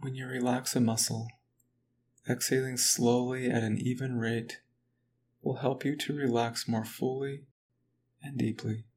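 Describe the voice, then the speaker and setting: A man leads a muscle relaxation exercise in a slow, calm, even manner. His voice stays level, with little rise and fall. There is a faint background noise throughout. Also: mid-range voice. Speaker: relaxation guide. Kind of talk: guided relaxation script.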